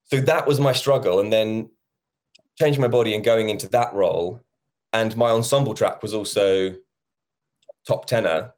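A man's voice: lowish voice, normal speed, long pauses, darkish tone. A man in his thirties, a musical theatre actor chatting as an interview guest and acting out past conversations. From England. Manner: chatty, acts out quoted conversations. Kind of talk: casual interview chat.

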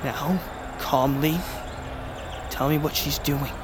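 An actor playing a young tribal brother coaching a fighter, urgent, commanding and encouraging, in an audio drama. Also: male voice, on the high side, steady tone, slow pace, very noisy. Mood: steadying.

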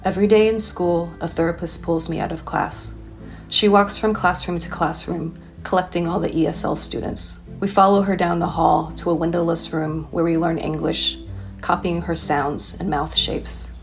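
A woman with a fairly low voice reads her own personal essay aloud. Her first language is Cantonese, and she takes a measured, reflective pace through the text. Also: steady tone, creaky, soft background music.

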